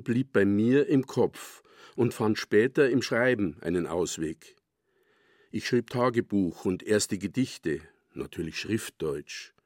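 An older man from Bavaria, a dialect poet, reading a scripted personal essay for radio in a calm, measured way. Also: on the low side, no room sound, studio quality. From Bavaria, Germany.

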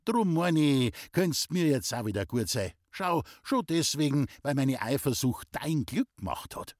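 A man's voice: medium pitch, big pitch swings, a little slow, a little mellow, no room sound, clean studio sound. A man reading a novel aloud and voicing a boastful young village man in Bavarian dialect.

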